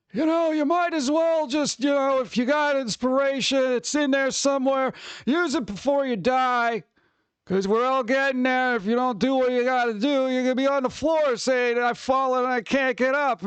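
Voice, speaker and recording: In a put-on character voice, the speaker goes at a moderate pace against a quiet background. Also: man, extremely high pitch for a man. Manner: rambling, inspirational.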